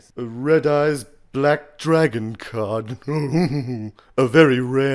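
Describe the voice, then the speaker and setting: Putting on a character voice, a man speaks very slowly in a booming tone at a medium pitch. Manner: boomy.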